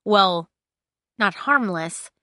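A woman's voice: medium pitch, expressive, extremely slow, pushed and bright, dry recording, studio quality, exaggerated voice. A woman voicing a defiant, sarcastic young woman in an audiobook, stubborn and matter-of-fact. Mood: flippant. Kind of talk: audiobook character acting.

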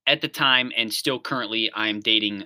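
Man in his twenties, very bright tone, dry close sound, laughs easily. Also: lowish voice, normal speed, clear, resonant tone, dry recording. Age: 20s. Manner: laughs often, easygoing. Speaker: podcast co-host. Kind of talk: casual chat.

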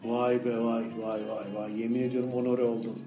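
A man's voice: mid-range voice, little pitch movement, brisk, music in the background. A man chatting casually as a podcast co-host, teasing and jokey, full of slangy exclamations. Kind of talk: casual banter with a friend. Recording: roomy, echoing room sound.

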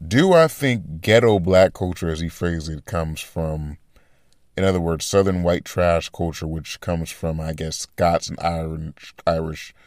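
A man's voice: low voice, a little mellow, dry recording. A man hosting a casual commentary podcast, rambling and thinking aloud as he talks. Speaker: podcast host.

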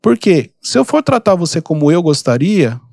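A calm, easygoing man with a Brazilian Portuguese accent talks through advice on his podcast, patient and explanatory. His voice sits a little on the high side. The sound is dry and close, with no room echo. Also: normal speed, gravelly. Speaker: podcast host and mentor. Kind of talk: casual advice podcast talk.

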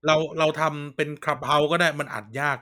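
A man with a high, bright, forceful voice joking through a loose political talk show. He teases his co-host and throws in casual swearing. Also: level tone, normal speed. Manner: joking, playfully crude.

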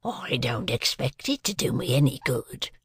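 A reader doing a gruff, scornful old convict. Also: expressive, moderate pace, a bit bright, no room sound, studio quality, exaggerated voice. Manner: low, muttering, scornful, half-whispered. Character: older male convict, gruff, disdainful, hard.

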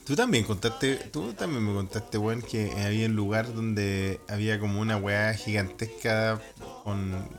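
A man's voice: on the low side, measured pace, soft background music. A man with a Chilean Spanish accent co-hosting a casual chat, chatty, laughing and full of slang. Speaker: podcast co-host.

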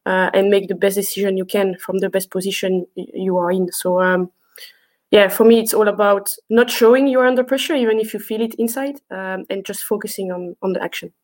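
A woman's voice: mid-range voice, steady tone, fairly quick, a little mellow. Belgian woman with a mid-range voice. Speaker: interview guest, field hockey umpire. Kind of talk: conversational interview answers.

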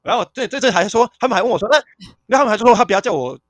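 A man's voice: sits high, very fast, dry recording. A man, co-hosting a casual chat and telling stories with acted-out quotes. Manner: animated, acts out quotes of others. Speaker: podcast co-host.

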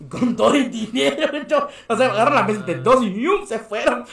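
A young Mexican man with a very high, brisk, creaky and slightly bright voice tells casual stories as a podcast guest. He laughs often and acts out other people's voices. The room is echoey.

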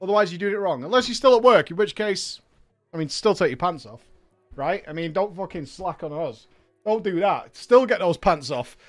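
High-pitched guy streaming, loud and hyped, swears a lot, rambles off on tangents. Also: expressive, normal speed, faint music behind. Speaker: streamer and show host. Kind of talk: livestream commentary reading viewer letters.

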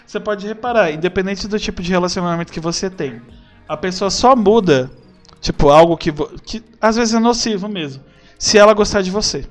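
A young Brazilian man chatting as a podcast guest, animated and acting out bits of dialogue. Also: high voice, brisk, soft background music. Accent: Brazilian Portuguese. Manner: animated, acts out quoted dialogue. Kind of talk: casual chat.

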